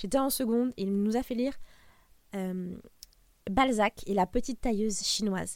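Fairly high-pitched speech from a woman at a moderate pace, her pitch varying in an ordinary way, broken by long, frequent pauses. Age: 30s. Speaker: podcast host. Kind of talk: casual monologue.

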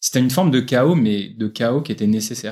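A man with ordinary pitch variation on a very clean recording with a silent background. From France, Centre region (Bourges). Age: 30s. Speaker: love coach. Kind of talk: interview about personal love story. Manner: casual, hesitant with fillers.

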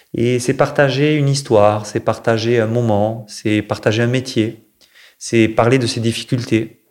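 Using a medium pitch, a man speaks at a fairly slow pace with fairly even intonation. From Millau, Aveyron, southern France. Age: 40s. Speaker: glove-making business owner. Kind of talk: interview. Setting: in his office. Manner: hesitant, many fillers.

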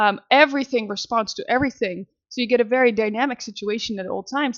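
At a moderate pace, a woman talks with lively intonation and a high pitch. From Netherlands. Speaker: researcher and author. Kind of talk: interview conversation. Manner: hesitant with fillers.

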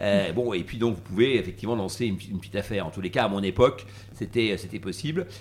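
With an unremarkable speaking voice, a man talks fairly quickly at a fairly low pitch with ordinary pitch variation. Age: 50s. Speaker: entrepreneur. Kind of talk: interview.

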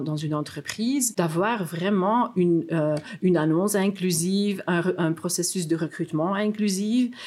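A woman at medium pitch with ordinary pitch variation and a fairly slow pace, on a very clean recording with a silent background. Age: 40s. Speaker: recruitment consultant and lecturer. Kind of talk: interview. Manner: halting, with repeated words.

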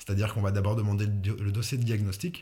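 A man's fairly low, somewhat breathy voice with a dark, mellow tone at a fairly quick pace, in a very clean recording with a silent background. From France, Angoulême (Charente). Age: 30s. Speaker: real estate agent. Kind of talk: podcast interview.

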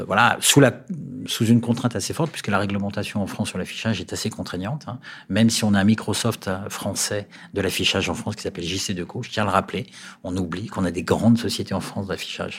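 The man's voice is fairly low in pitch, with ordinary pitch variation. He talks at a very fast pace. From Paris. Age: 50s. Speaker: marketing executive. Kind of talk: interview.

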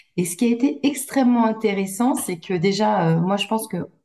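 At a moderate pace, a woman speaks with a somewhat breathy, dark, mellow tone and ordinary pitch variation. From Normandy, France. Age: 40s. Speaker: association director. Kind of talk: interview.

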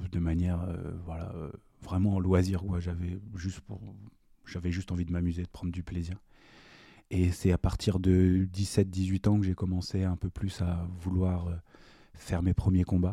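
In a very clean recording with a silent background, a man with a very deep, low pitch and a dark, mellow tone speaks fairly slowly in a monotone, flat intonation, somewhat breathy and with long, frequent pauses. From Paris, France. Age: 30s. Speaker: psychotherapist and former boxer. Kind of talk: interview.

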